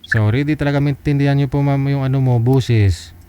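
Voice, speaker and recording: A man's voice: mid-range voice, steady tone, fairly quick, mellow, clear, resonant tone. A man hosting a live call-in chat, politely steering callers and asking them to turn their volume down. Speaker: host of a live call-in matchmaking show. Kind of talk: casual live-stream chat.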